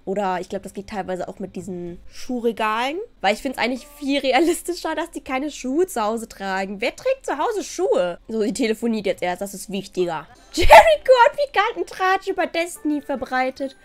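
Woman gaming YouTuber, casual play-along commentary, a touch high-pitched, chatty, worn-out humor. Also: sing-song, moderate pace, hardly any pauses, a little mellow. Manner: chatty and exasperated, sprinkles in English words.

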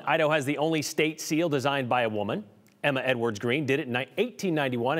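A middle-aged man hosting a TV segment in a studio, playful and jokey, reading trivia with a lively delivery. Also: fairly high pitch, long reverb tail. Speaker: TV show host. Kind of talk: lively scripted TV segment with jokes. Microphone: studio mic, standing presenter.

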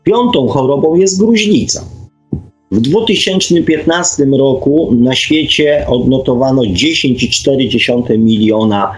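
A man's voice: mid-range voice, measured pace, soft background music, rough recording. A man hosting a radio monologue, hesitantly reading out figures and repeating them for emphasis. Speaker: radio show host.

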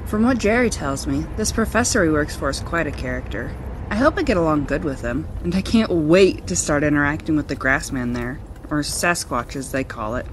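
A woman's voice: low voice, lively intonation, brisk, a little hiss or hum, low-quality recording. A woman playing an eager, hopeful traveler who thinks aloud in a chatty, reflective way in a radio drama.

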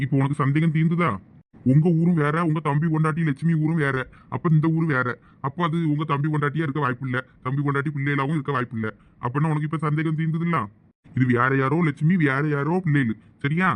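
A man's voice: fairly high pitch, fairly even intonation, fast talker, close to an everyday voice. A man with a Thoothukudi Tamil accent playing a firm middle-aged husband who lectures his wife. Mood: reasoning. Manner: stern, lecturing. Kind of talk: village comedy skit acting.

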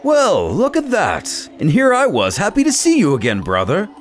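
A man's voice: high voice, huge pitch swings, moderate pace, soft background music, pitched above the performer's own voice. A man voicing a smug, mocking fallen angel villain from a story, with a theatrical, taunting manner. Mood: mock delight.

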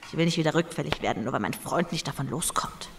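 A woman's voice: deep voice, animated, fast talker, vocal fry, slight background noise. An actress playing a resolute, fed-up young ex-girlfriend in a sci-fi audio drama, cold and dismissive.

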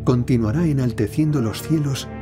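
A man reads scripted nature documentary narration in a measured, dramatic storytelling way. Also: mid-range voice. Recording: studio voice-over over prominent music. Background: music, animal sounds.

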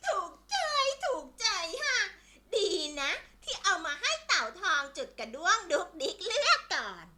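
Shrill cackling pie-selling witch, very bright, swooping, for a kids' tale. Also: huge pitch swings, measured pace, slight background noise, exaggerated voice. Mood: gleeful. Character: frizzy-haired witch selling junk-food pies. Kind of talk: children's storybook voice acting.

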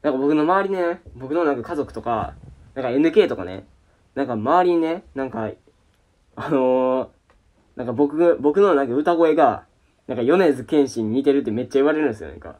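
A man's voice: mid-range voice, lively intonation, a little fast, a little mellow. A young man with a Kansai accent hosting a casual question-and-answer vlog, rambling with many fillers and restarts. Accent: Kansai Japanese. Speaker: YouTube channel host.

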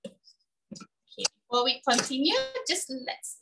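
A woman's voice: high-pitched, slow, distant mic, background noise. A woman giving a chatty live cooking demonstration in a kitchen, often checking in with "okay?".

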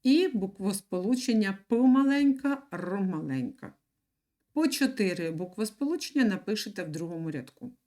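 A woman teaching young children in an online lesson, speaking slowly and clearly and repeating words for them to write down. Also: medium pitch, lively intonation, mellow. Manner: patient, slow and clear, repeats words for dictation. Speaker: primary school teacher.

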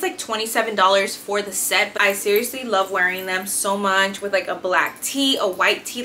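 In a casual haul review filmed in her small, decorated bedroom, a young fitness and beauty vlogger talks through gym clothes with lots of fillers and eager chatter. She speaks at a medium pitch with a bright, forceful tone, over a faint hiss or hum.

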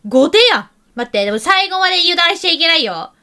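A woman giving lively gameplay commentary, chatting to the game characters and to her viewers. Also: extremely high pitch, quick pace. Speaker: game video host.

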